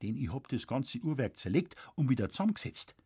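A man's voice: mid-range voice, sing-song, fairly quick, dark tone, husky. A man voicing a sly, jovial Bavarian village blacksmith who talks in broad, hearty dialect.

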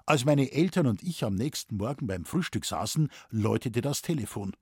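A Bavarian-accented man narrating an audiobook at a middling pitch. His voice is husky and recorded dry and close, with a relaxed, wry telling. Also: moderate pace, no room sound. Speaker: audiobook reader.

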